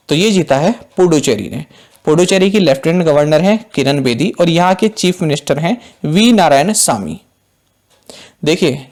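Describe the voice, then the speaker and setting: A man teaches an exam-prep current affairs lesson with a slightly higher voice. He explains each term plainly and calls his viewers friends. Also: a little mellow.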